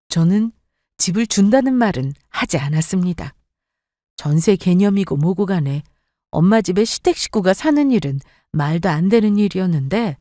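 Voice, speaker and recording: A woman narrating a family story in a steady, storytelling manner. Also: medium pitch, no room sound, clean studio sound. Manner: even, storytelling. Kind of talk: scripted narration.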